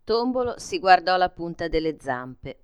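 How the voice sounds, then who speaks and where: A woman reads a children's picture book aloud in a calm, gentle, measured way. Her voice is low and smooth. The sound is dry and close, with no room echo. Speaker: storyteller.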